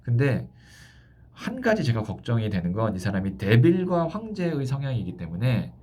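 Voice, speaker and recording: A man speaking as a tarot fortune teller, explaining a love reading to a client with thoughtful pauses. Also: mid-range voice, sing-song, warm tone, slightly rough.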